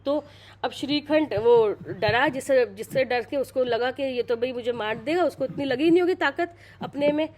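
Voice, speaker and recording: A woman's voice: high voice, moderate pace, darkish tone, a little hiss or hum. A middle-aged woman retelling a religious story in a casual, chatty way, often repeating herself and restarting sentences. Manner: chatty, repeats and restarts, checks listeners follow.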